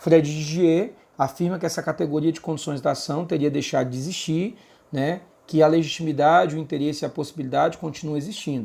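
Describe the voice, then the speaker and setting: In a very clean recording with a silent background, a man with a dark, mellow tone and fairly high pitch speaks at a fairly quick pace with ordinary pitch variation. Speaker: law professor. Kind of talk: recorded lecture. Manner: fast.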